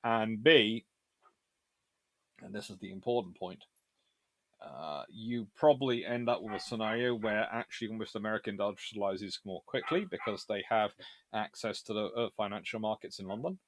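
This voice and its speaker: Fielding viewers' naval history questions in a relaxed live session, this male host wanders off on tangents and keeps revising what he just said. His pitch is fairly low, his pace moderate, and his tone fairly bright.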